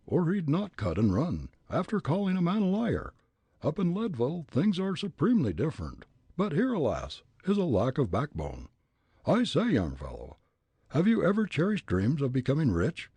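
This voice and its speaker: A man reading a story and voicing an angry, gruff elderly rich man who blusters and shouts indignantly. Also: a little high, huge pitch swings, moderate pace, no echo, pitched above the performer's own voice, full character voice. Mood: scornful.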